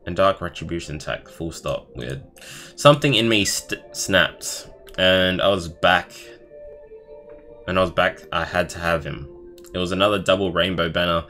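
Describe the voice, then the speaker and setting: A man's voice: low voice, fairly bright tone. A man livestreaming, reading aloud expressively with casual asides and commentary of his own. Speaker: streamer.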